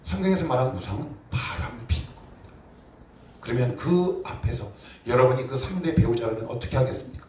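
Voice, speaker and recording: A man's voice: mid-range voice, animated, fairly quick, darkish tone, a little hiss or hum. A man preaching a sermon as pastor, asking his congregation rhetorical questions with emphatic delivery. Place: church sanctuary. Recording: roomy church echo, distant mic.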